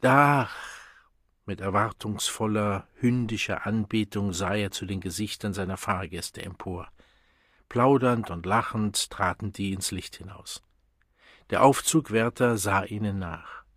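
A man with a husky voice narrating an audiobook in a measured reading manner. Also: fairly low pitch, fairly even intonation, dry recording, clean studio sound.

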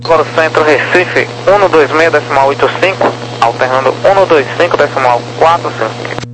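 A man working as an air traffic controller, giving clipped, rapid instructions in set radio phraseology, heard as a radio transmission taped off a receiver. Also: on the high side. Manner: clipped, rapid, formulaic delivery. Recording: hissy, humming taped radio.

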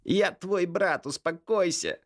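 A man's voice: high-pitched, takes it slowly, pitched above the performer's own voice. A man putting on a whimpering cowardly younger brother. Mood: pleading, terrified. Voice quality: whiny, trembling. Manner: pleading and whimpering. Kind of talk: audiobook character voice.

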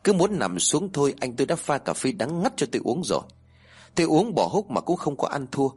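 A man tells a first-person ghost story in a slightly husky voice. His pitch rises and falls a lot, and he acts out the quoted people as he goes. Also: a little fast. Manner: lively, voices the quoted characters.

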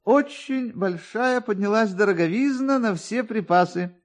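A man's voice: sits high, unhurried, pitched above the performer's own voice. A man voicing a talkative, obsequious, short-sighted police officer in a literary radio reading, rambling and hinting as he goes. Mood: ingratiating, hinting.

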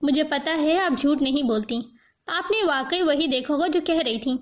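A woman's voice: high voice, lightly acted. A woman reading as a bold young friend. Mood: reassuring. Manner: bold, reassuring. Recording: dull lo-fi recording.

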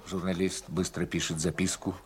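A man's voice: deep voice, level tone, moderate pace, noisy background. A man narrating an audio drama in a scripted style, setting out the action.

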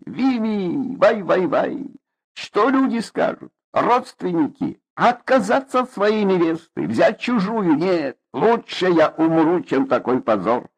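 A man's voice: high-pitched, big pitch swings, slow, slightly rough, voice pushed up, full character voice. A wailing frightened mother, put on by a man. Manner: wailing, lamenting. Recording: dull lo-fi audiobook recording.

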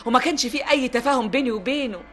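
A woman's voice: rapid-fire, a bit bright, faint music behind. An actress playing a strict, anxious mother of grown sons in a radio drama, scolding them with an Egyptian accent. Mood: grave. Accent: Egyptian Arabic. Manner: scolding, shrill. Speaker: mother character.

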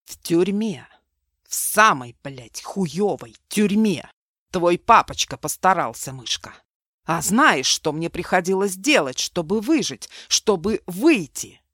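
A woman's voice: lowish voice, lively intonation, a little slow, hardly any pauses, fairly bright tone, no room sound, studio quality. A woman voicing a bitter, vengeful man just out of prison, harsh and mocking with a raised voice.

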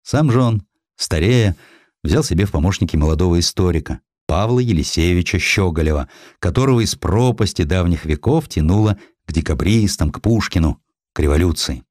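A man reading historical essays as an audiobook narrator, in an expressive scripted storytelling style. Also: deep voice, brisk, dry recording, clean studio sound. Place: dry recording studio.

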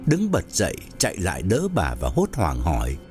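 A man narrating an audio story in a dramatic, expressive way. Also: deep voice, moderate pace, faint music behind.

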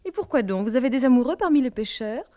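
A spiteful society woman makes ironic, needling remarks with a raised, sharp tone, as a woman narrator voices her. Her manner is mocking and superior. It comes from a storybook reading. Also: high voice, lively intonation, fast, pitched above the performer's own voice.

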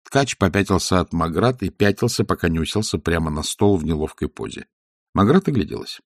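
A man reading a novel aloud with wry, expressive storytelling. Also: low-pitched, fairly quick, dry recording, clean studio sound. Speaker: audiobook reader. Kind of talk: scripted narration.

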